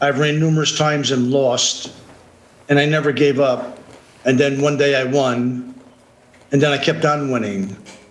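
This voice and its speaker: A man talks at a moderate pace in a fairly high pitch, with fairly even intonation, very even loudness and long, frequent pauses. Audible room echo and noticeable background noise surround his voice. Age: 70s. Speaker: political candidate. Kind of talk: interview. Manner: halting.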